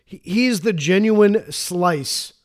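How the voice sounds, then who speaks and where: Male podcast co-host, slightly high voice, chatty and excitable, stumbles and restarts often. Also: slow. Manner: rambling, self-interrupting, enthusiastic. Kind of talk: casual movie recap chat.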